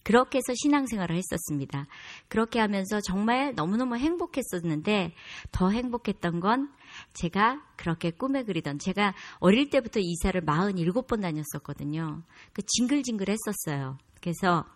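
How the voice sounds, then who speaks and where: A woman in her fifties, a comedian, giving a candid personal testimony to a church congregation, telling her story with self-deprecating humor and a calm, low delivery. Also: fairly quick. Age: 50s.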